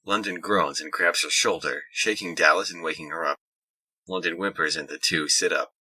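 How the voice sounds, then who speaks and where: A man's voice: sits low, fairly even intonation, moderate pace, bright, forceful tone, breathy edge, poor audio. A man reading scripted narration for an audio drama.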